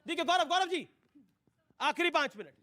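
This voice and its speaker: A male debate host speaks at a very high pitch. He moderates a heated live discussion, pressing short phrases over and over to keep order. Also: lively intonation, normal speed, crowd noise. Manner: repeats short phrases insistently.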